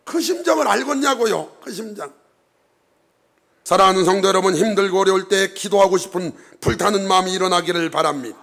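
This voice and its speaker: A male pastor preaching a sermon in a church. He is animated and emphatic, and often puts questions to the congregation. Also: high-pitched, a little fast, gravelly.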